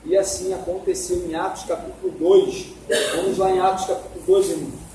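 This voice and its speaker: A man's voice: high-pitched, level tone, fairly quick, dark tone, slight background noise. A man teaching a Sunday school class on the Bible, asking the class questions as he goes. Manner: asks the class questions, coaxing. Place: church hall. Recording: echoey hall from far off.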